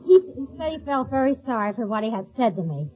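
A woman's voice: on the high side, big pitch swings, fast talker. A woman chatting and telling anecdotes as a contestant on an old radio quiz. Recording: muffled, noisy old radio recording, loud audience.

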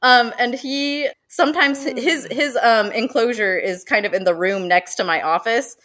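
A woman who works as a zoo animal educator, chatting casually in an interview, animated and laughing often. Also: fairly high pitch. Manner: animated, laughing, with quick excited quoted asides.

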